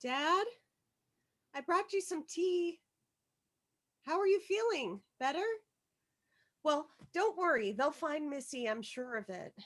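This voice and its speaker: A woman acts out a young schoolgirl in a script read. The voice is high and bright. She is meek and polite, hesitating often, yet stays earnest and hopeful. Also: expressive, slow, long pauses, exaggerated voice. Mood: gentle, reassuring. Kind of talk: virtual table read of a film script.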